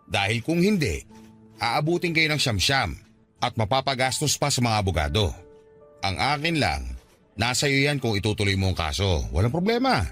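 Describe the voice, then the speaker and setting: Patronizing policeman, wildly swooping pitch. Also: fairly bright tone. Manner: patronizing, colloquial, lecturing. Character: dismissive middle-aged policeman and father, victim-blaming. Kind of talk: Tagalog radio drama acting.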